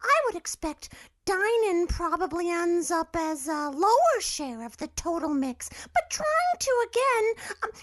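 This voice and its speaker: Extremely high-pitched financial analyst. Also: female voice, sing-song, a little slow, hardly any pauses, fairly bright tone, exaggerated voice. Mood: inquiring. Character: squeaky female financial analyst posing a question. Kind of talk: theatrical reenactment of an earnings call.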